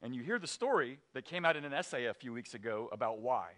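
Bright-voiced man preaching a sermon. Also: fast talker. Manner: animated storytelling, drops low for serious points. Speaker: pastor.

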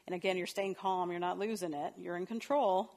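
A woman's voice: on the low side, fairly even intonation, a little fast, darkish tone. A woman counselor giving a talk on parenting, conversational and storytelling, with fillers and asides. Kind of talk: parenting talk with personal anecdotes.

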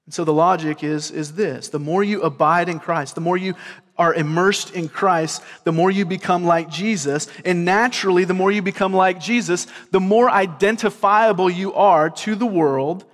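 Earnest Southern preacher in a reverberant hall. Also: male voice, high voice, normal speed. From grew up in California and Georgia. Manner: earnest, repeats words, asks the crowd "right?". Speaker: pastor. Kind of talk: sermon.

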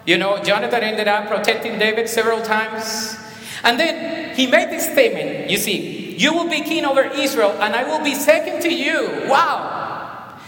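Colombian-accented pastor preaching in a reverberant hall. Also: male voice, very high-pitched, moderate pace. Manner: animated preaching with emphatic repetitions. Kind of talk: sermon. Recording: echoey hall with long reverb.

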